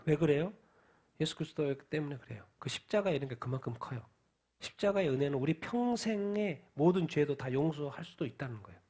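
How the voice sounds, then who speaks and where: A man's voice: a little high, darkish tone, breathy edge. A man preaching a midweek sermon who asks questions and answers them himself. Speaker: pastor. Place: church.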